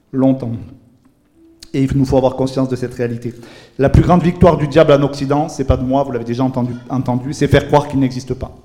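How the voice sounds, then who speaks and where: An earnest man preaches a sermon in church. His voice is mellow and warm at a middling pitch. He restarts phrases and repeats words to drive them home. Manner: earnest, repetitive emphasis, many restarts.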